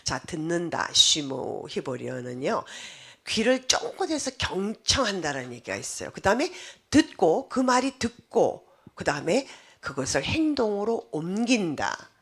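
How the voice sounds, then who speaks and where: A woman pastor delivers a sermon in a slightly low, husky voice. Her pitch rises and falls widely as she explains scripture. She keeps turning to the congregation with rhetorical questions. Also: sing-song, a little slow, a bit bright.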